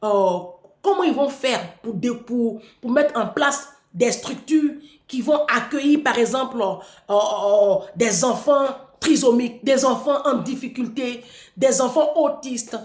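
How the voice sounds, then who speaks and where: Woman vlogger, provocative taunting rant, bright-ish voice, roomy echo. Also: fairly high pitch, a little slow. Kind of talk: mocking monologue to camera. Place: room in France. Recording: echoey room.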